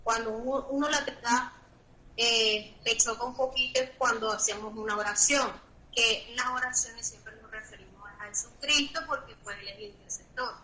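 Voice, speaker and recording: A woman's voice: a little high, fairly even intonation, moderate pace, bright, forceful tone, echoey room, poor audio. A woman student asking her teacher a question, hesitant and searching for her words.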